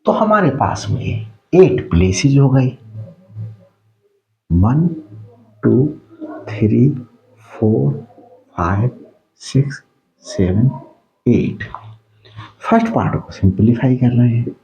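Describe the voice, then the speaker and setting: Man, maths tutor, very slow, mellow tone. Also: mid-range voice, sing-song, vocal fry, dull audio. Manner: counts aloud slowly, addresses students as children. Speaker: maths teacher. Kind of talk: slow step-by-step maths lesson.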